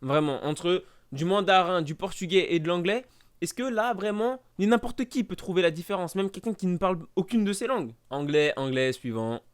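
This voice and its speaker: A man's voice: high voice, lively intonation, normal speed, clean tone. A young man commenting on a language-guessing game, mock-exasperated and sarcastic. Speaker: gaming YouTuber. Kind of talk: casual let's-play commentary.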